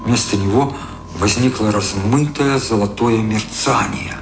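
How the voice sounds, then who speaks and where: A man's voice: fairly low pitch, a little slow, noisy background. A man narrating a radio drama from a literary script. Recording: roomy echo with prominent music.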